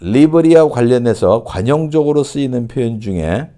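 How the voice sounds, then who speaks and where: A man teaching an online English pronunciation lesson, speaking slowly and deliberately and repeating example sentences. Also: mid-range voice, expressive, mellow.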